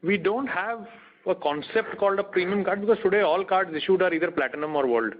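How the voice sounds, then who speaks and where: A man's voice: sits high, brisk. A man with an Indian accent, a bank executive explaining figures matter-of-factly on an earnings call. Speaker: bank retail business executive. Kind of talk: earnings call question and answer. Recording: dull conference call audio.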